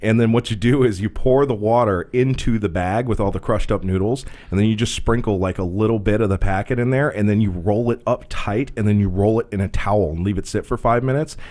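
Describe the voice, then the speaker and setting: A man telling a profane, animated story in casual podcast chat. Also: fairly low pitch, a little fast, few pauses. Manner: animated, profane, laughs a lot. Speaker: podcast host.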